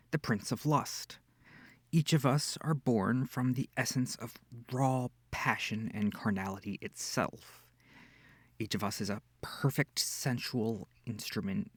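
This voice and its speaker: A man's voice: fairly low pitch, no echo, exaggerated voice. A man playing a smug, seductive incubus demon in an intimate ASMR roleplay, with theatrical, teasing delivery. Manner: theatrical, teasing, purring, breathy asides.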